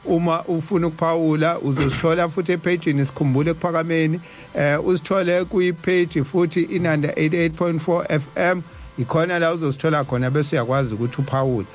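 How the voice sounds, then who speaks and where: A man's voice: fairly high pitch, fairly even intonation, fast talker. A man with a South African accent hosting live radio in casual talk, often stammering and repeating syllables as he goes. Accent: South African Zulu-speaking. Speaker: radio host. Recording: music behind the voice. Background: music.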